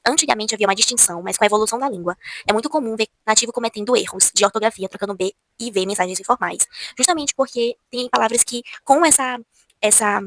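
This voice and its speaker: A Brazilian woman teaching Spanish pronunciation in a casual video lesson, often repeating words slowly to show each sound. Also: fairly high pitch, a bit bright, a little hiss or hum. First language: Portuguese.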